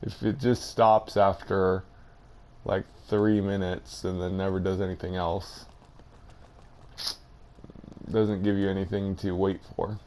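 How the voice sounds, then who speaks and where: A man's voice: deep voice, level tone, takes it slowly, pauses often, warm tone, a little hiss or hum. A man giving casual, unscripted game commentary, thinking aloud in a hesitant way. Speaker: gaming video host.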